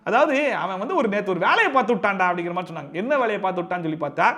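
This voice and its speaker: A man reviewing a reality show in fast, opinionated commentary, sarcastic and animated, full of rhetorical questions. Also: high voice.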